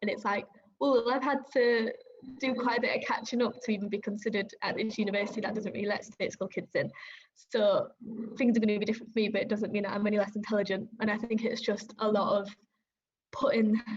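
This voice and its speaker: A woman with a Northern English accent, fairly high in pitch, talking at a very fast pace in monotone, flat intonation. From northern England (Selby, near York). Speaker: university student. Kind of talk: panel discussion.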